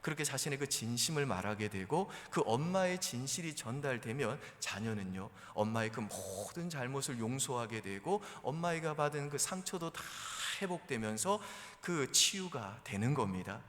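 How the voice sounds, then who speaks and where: A man's voice: medium pitch, lively intonation, moderate pace, few pauses, fairly bright tone. Male pastor preaching in an echoey church. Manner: conversational, storytelling preacher with mimicked voices. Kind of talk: sermon. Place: church sanctuary. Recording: reverberant church hall.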